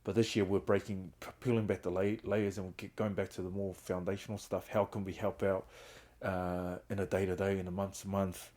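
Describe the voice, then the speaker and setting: Casting: middle-aged New man, earnest guest, flat low delivery. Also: fairly quick, hardly any pauses. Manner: earnest, open, speaks of hard times with emotion. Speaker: guest, founder of a reintegration trust. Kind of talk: candid personal storytelling.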